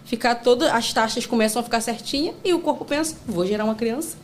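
A woman talks fast as a podcast guest, her voice sitting a little high. She tells her stories in a loose, chatty way, full of fillers, and acts out what people said. A faint hiss sits under her voice. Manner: breaks into laughter and acts out quotes. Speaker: podcast guest, content creator. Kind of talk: casual chat.

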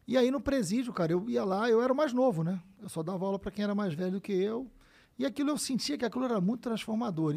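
Fast-talking man. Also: sits high. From Brazil. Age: 50s. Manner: animated storyteller, frequent swearing and "né?" tags. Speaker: guest. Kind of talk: casual podcast conversation.

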